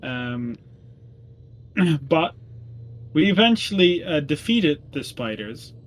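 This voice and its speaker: Halting man with a slightly high voice. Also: very animated. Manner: halting, full of ums and self-corrections. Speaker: player giving the session recap. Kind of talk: casual chat recapping a tabletop game.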